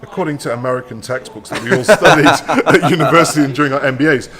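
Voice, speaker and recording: A man's voice: medium pitch, rapid-fire, a loud crowd. A man speaking as a guest in a casual conversation, reasoning aloud in a chatty way with many "like"s and "right?"s. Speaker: guest, professor.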